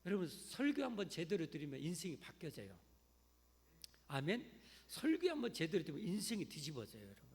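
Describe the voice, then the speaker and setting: A man's voice: on the high side, huge pitch swings, fairly quick. A man preaching a sermon as pastor, often calling out directly to his congregation. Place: church sanctuary. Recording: echoey church hall.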